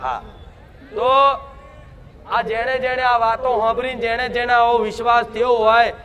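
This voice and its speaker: A woman's voice: fairly high pitch, little pitch movement, measured pace, a bit bright, dull audio. Woman preaching emphatically at a shrine. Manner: emphatic, full of rhetorical questions. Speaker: shrine preacher speaking as the Mother goddess. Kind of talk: devotional sermon.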